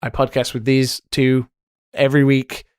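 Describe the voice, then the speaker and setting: Soft-spoken man, mostly neutral British accent. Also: mid-range voice, level tone, moderate pace, smooth, dry recording, clean studio sound. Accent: mostly neutral British with some American pronunciations. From Wales. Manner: soft-spoken, rambling, says "like" often. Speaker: podcast co-host. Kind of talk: casual podcast chat.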